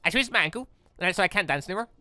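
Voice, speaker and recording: A man voicing an insecure, self-blaming teenage girl from a visual novel, halting and stammering. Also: high-pitched, expressive, bright, forceful tone, smooth, no echo, clean studio sound, faint music behind, exaggerated voice. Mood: upset, self-blaming.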